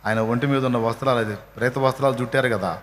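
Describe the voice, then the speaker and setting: A man with a Telugu accent preaching a sermon. He acts out the quotes and swings from low murmurs to loud cries. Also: fairly even intonation, fast talker, a little hiss or hum. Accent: Telugu, Andhra.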